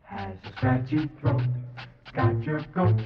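A man's voice: mid-range voice, slow, soft background music. A man singing a 1950s radio advertising jingle on a muffled old recording.

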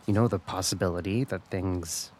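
An actor playing a hurt, sarcastic young gay customer-service rep with a halting, passive-aggressive way of talking in an audio comedy-drama. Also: male voice, sits low, darkish tone, slight background noise, lightly acted. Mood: unsettled, reflective.

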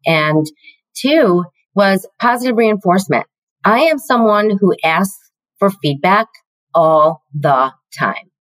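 A middle-aged woman with a deeper voice, answering interview questions in a confident, measured, emphatic way. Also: expressive, dry recording, rough recording. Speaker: guest, learning and development executive.

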